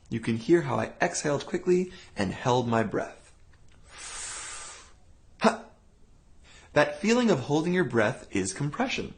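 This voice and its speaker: A man leads a voice lesson, explaining each exercise in a calm, clear, step-by-step way. His pitch moves around a lot as he talks. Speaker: voice teacher. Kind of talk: instructional voice lesson.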